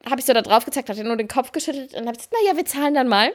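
A woman telling a story in casual podcast chat. She giggles often and rambles cheerfully. Her voice sits a little high. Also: lively intonation, rapid-fire. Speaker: podcast co-host.

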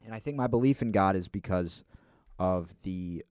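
A young man chatting as a podcast guest in a small studio, easygoing and teasing, quick to laugh. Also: deep voice, darkish tone, clean tone, dry recording. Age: young adult. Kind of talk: casual interview chat. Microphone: studio microphone.

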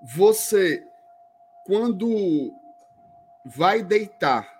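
A man's voice: sits high, animated, drawn-out words, soft background music. A man co-hosting a casual chat, playfully pushing his questions. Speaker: podcast co-host.

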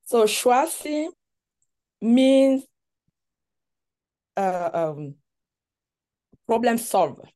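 A middle-aged woman from Cameroon, a relationship coach, telling her story as an interview guest in a thoughtful way with many pauses. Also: on the high side, very animated, dark tone. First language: a language of Cameroon. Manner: slow, thoughtful storytelling with frequent pauses and fillers.

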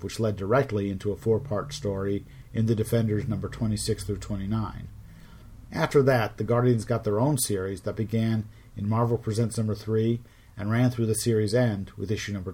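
Middle-aged male podcast host, lowish voice, measured scripted storytelling, wry. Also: darkish tone, slightly rough. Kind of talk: scripted narration.

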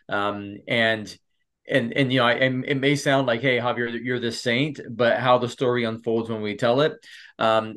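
Earnest pastor telling his story, low voice. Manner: earnest, personal storytelling with frequent restarts. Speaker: pastor and marriage coach. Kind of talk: casual interview.

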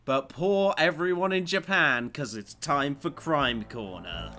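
A man's voice: on the high side, expressive, unhurried, over music. A man co-hosting a casual news chat, joking in a dry way with plenty of ums and uhs. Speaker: podcast co-host.

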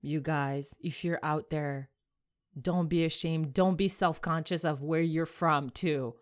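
A woman's voice: deep voice, fairly even intonation, takes it slowly. A woman co-hosting a podcast, chatting casually and switching between French and English mid-sentence. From West African family. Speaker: podcast co-host.

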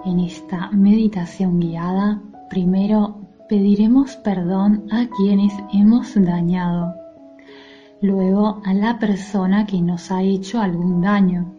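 A woman leading a guided mindfulness meditation in a soothing, gentle, soft-spoken manner. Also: medium pitch, fairly even intonation, takes it slowly, dull audio. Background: music.

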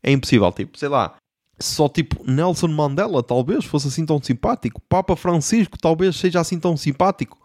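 A man's voice: a little high, expressive, fairly quick, darkish tone, no room sound, studio quality. A young man with a European Portuguese accent, telling a comic story as a podcast host in a slangy, exasperated way and swearing often. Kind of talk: comedic storytelling monologue.

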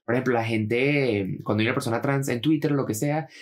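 A man talks fast in a loose podcast chat. He explains with earnest emphasis, patient and steady, pressing his points home. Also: medium pitch. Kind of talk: casual chat.

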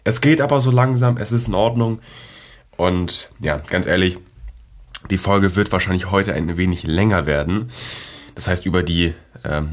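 A teenage boy hosts his own solo podcast close to the mic, rambling casually in slang with many fillers. He's sick with a cold, coughing now and then, and his voice is low.

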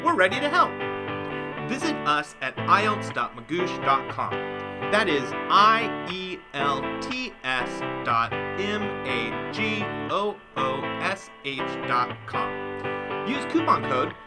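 A woman's voice: fairly low pitch, very animated, takes it slowly. Upbeat woman reading an ad over guitar. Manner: upbeat, salesy. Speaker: ad reader. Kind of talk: read sponsor advertisement. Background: loud guitar music.

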